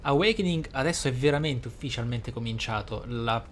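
A man's voice: mid-range voice, fairly quick, a little hiss or hum. A man giving reflective, emphatic let's play commentary as a gaming host.

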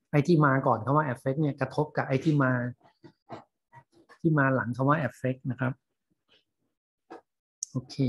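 Slow, husky man lecturing. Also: mid-range voice. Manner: slow, halting, many fillers. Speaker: teacher. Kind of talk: lecture on reading scientific English.

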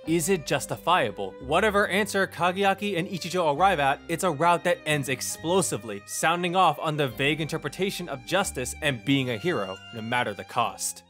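A man's voice: on the high side, fairly bright tone. A man narrating a scripted video game review with dramatic, emphatic phrasing and wry, casual asides. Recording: voice-over with music behind. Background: background music.

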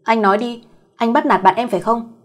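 A woman's voice: fairly high pitch, a little fast, lightly acted. A woman voicing a cheeky, teasing, protective young female cousin in a fireside storyteller's audio tale. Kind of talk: acted dialogue in an audio story.

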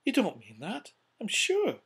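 A man voicing a cheerful, warm-hearted young nephew from a storybook, pleading earnestly. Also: high-pitched, wildly swooping pitch, measured pace, gravelly, slightly rough, pitched above the performer's own voice, exaggerated voice. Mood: gaily teasing. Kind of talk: storybook character reading.

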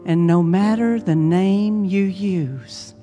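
Very slow, mellow woman guiding meditation. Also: mid-range voice. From United States. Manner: hushed, soothing, deliberate phrasing with long pauses. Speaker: minister leading a guided meditation. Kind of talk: guided meditation. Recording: long reverb, music behind. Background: instrumental meditation music.

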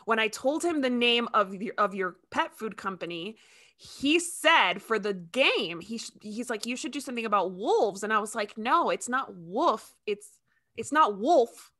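A woman in her thirties from Ecuador, a native Spanish speaker with a slight accent, hosting a casual video-call chat in an upbeat, animated way. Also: fairly high pitch, measured pace. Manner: bubbly, animated, laughs often. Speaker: host. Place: home studio with shelves.

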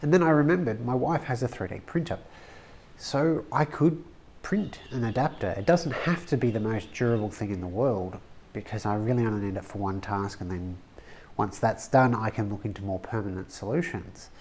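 A man's voice: lowish voice, normal speed, darkish tone, a little hiss or hum. A man, talking casually and practically about a workshop project, recorded in a brick-walled home workshop. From Australia. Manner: chatty, practical, wry asides. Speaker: woodworking channel host. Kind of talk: casual how-to vlog.

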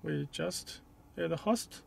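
Guy with a high voice doing a slow step by step gadget tutorial, non-native english, short halting phrases, bit of fry. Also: slight background noise. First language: not English. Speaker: product demonstrator. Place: inside a parked car.

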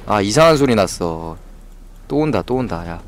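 A man's voice: on the low side, very animated, normal speed, slight background noise. A male game streamer giving frantic live commentary on a horror game, jumpy and swearing at the scares.

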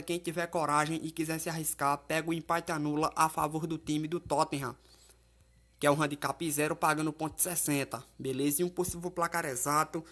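Higher-pitched Brazilian man giving casual tips. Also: fairly bright tone. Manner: colloquial, addresses viewers familiarly. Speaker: sports betting tipster and host. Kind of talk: casual football betting tips commentary.

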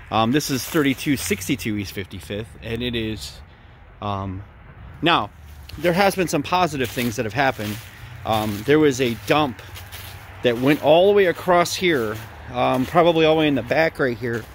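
A man records a casual walking vlog outdoors on a city street, speaking into a handheld phone. His voice sits at an ordinary middle pitch, and he rambles with frequent ums and false starts. Faint street noise hums in the background. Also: fairly bright tone. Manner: rambling, many ums and restarts. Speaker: local vlogger reporting on abandoned houses. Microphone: handheld phone camera.

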